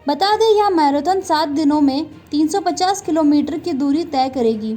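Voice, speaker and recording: A woman with a high-pitched voice delivers scripted news bulletins in an even, formal newsreader manner. Soft music plays faintly beneath her reading. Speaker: news anchor.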